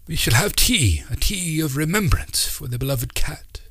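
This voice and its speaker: A man voicing an eccentric, excitable old uncle who rambles in a fussy, theatrical way. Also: on the high side, normal speed, breathy edge, no echo, voice pushed up. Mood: flustered.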